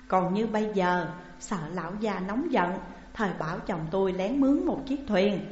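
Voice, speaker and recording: A woman voicing a calm, shrewd old wet nurse who talks steadily and reassuringly, in a muffled, echoing recording. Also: medium pitch, close to an everyday voice. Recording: muffled, roomy with long reverb.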